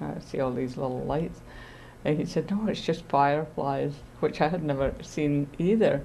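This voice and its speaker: This woman's very deep, low voice has vocal fry, a dark, mellow tone, and ordinary pitch variation. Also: moderate pace. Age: old. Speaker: immigrant senior. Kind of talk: personal memoir storytelling.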